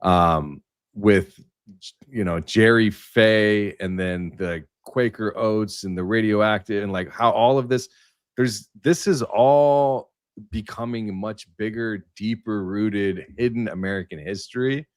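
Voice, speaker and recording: A man speaking as a panelist in a livestream discussion, rambling and tentative as he thinks out loud. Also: lowish voice, steady tone, clean tone, no room sound, clean studio sound. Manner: halting, tentative, thinking aloud.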